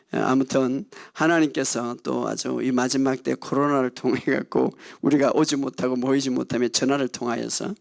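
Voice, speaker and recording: A man's voice: mid-range voice, creaky, no room sound, studio quality. A male pastor explaining in a plainspoken way what happened during the prayer over the phone. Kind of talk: sermon commentary.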